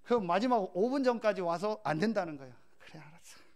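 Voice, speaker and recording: Brief: male pastor, high voice, storytelling sermon with loud, emphatic rhetorical questions. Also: expressive, brisk.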